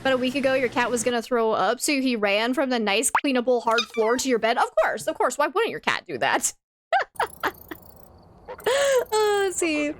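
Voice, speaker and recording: A woman with a fairly high, animated voice talks briskly while streaming a video game, with a little hiss or hum in the audio. She chats casually with viewers, laughs often, and reads their messages aloud.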